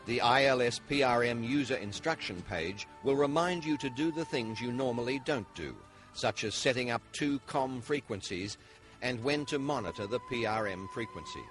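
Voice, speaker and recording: A man reading scripted instructional narration in a formal, measured manner, as in a training video. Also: mid-range voice, a bit bright.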